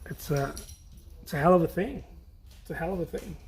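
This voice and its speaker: Guy painting on a live stream, kinda higher voice, rambles and repeats himself, swears a bit. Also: fairly quick, vocal fry, slight background noise. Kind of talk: casual chat while painting.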